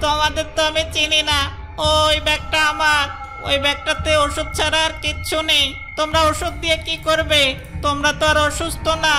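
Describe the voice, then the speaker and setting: A woman voicing a sly, quick-witted young fox in a cartoon, with a dramatic, pleading manner. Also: sits high, completely flat delivery, lightly acted. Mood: nervous, pleading. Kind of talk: cartoon voice acting. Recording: music behind the voice. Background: music.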